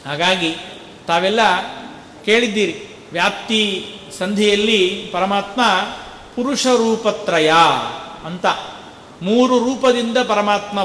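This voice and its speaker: A man's voice: high voice, a bit bright. A man giving a devotional discourse who recites verses and then explains them, asking his listeners rhetorical questions. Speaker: religious discourse speaker. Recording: echoey hall with faint noise.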